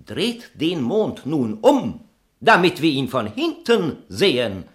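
An actor playing a lofty, evasive amateur poet under suspicion, with a theatrical manner, in a German radio crime drama. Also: male voice, on the high side, wildly swooping pitch, takes it slowly, exaggerated voice. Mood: solemn reciting.

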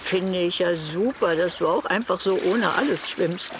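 Radio drama: actress as nonchalant, chatty old female sea animal, conversational and deadpan, with clear water noise behind. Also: on the low side, moderate pace, lightly acted. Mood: chummy, curious. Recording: loud splashing water behind the voice. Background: sea water splashing and trickling.

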